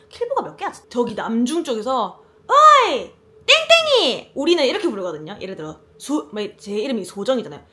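Animated high-voiced young woman vlogger. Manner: animated, acts out quoted lines. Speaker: beauty vlogger. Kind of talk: casual storytelling while doing makeup.

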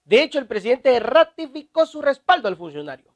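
A man's voice: very high voice, very animated, fairly quick. A man hosting a satirical news show, speaking in a mocking, slangy way. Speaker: host.

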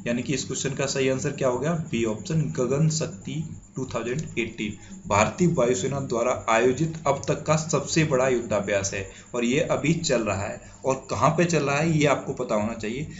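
A man's voice: mid-range voice, normal speed. Man from india, exam quiz tutor, repeats answers, dull lo-fi recording, faint hiss. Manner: repeats key answers, asks and answers his own questions. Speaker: current affairs exam tutor. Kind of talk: spoken quiz lesson.

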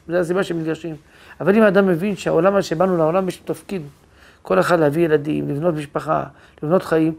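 A rabbi giving a religious lecture, telling family stories in a lively way that brings the people in them to life. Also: male voice, high-pitched. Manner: animated storyteller who acts out quoted voices.

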